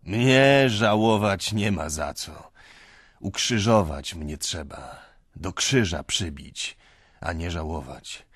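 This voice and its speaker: A man's voice: deep voice, expressive, takes it slowly, fairly bright tone, slightly rough, dry recording, studio quality, full character voice. A man reading an audiobook, voicing a drunken aging clerk who pleads and preaches in a wavering, pitiful voice. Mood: anguished.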